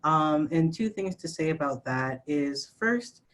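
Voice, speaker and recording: A trans speaker with a fairly high voice who leads a training and moderates a panel, explaining calmly with frequent "um"s, over a video call. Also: a little slow.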